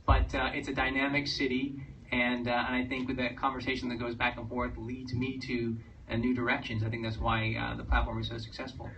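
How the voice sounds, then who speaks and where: A man's voice: mid-range voice, monotone, fairly quick, a bit bright. A man on a panel, explaining his ideas in a rambling way with many restarts. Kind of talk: panel discussion. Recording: dull, distant, noisy.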